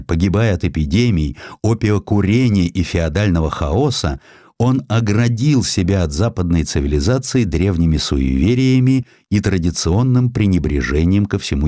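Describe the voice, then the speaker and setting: A man reading historical prose as an audiobook narrator, in a measured, expressive, literary storytelling manner. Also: deep voice, dry recording, clean studio sound.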